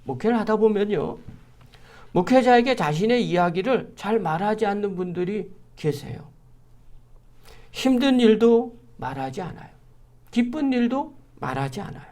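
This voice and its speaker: An earnest pastor preaching at an early-morning service, at a middle pitch with no marked highs or lows. The delivery keeps turning to the listeners with one rhetorical question after another. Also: expressive, moderate pace, darkish tone. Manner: earnest, asks the congregation many rhetorical questions.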